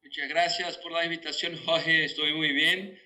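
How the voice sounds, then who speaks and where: Brazilian man speaking halting portuñol, very bright voice. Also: fairly high pitch, flat delivery. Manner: mixes Spanish with Portuguese (portuñol); halting, searching for words. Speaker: telecom regulator, interview guest. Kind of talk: formal studio interview.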